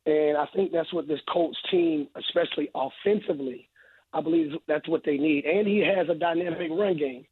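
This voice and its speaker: A man's voice: a little high, normal speed, slightly rough, no echo. A man, a football analyst guest on a radio show, talking earnestly while he is losing his voice. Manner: earnest, emphatic, repeats phrases. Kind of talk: radio interview, sports analysis. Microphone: phone line. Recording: tinny phone line.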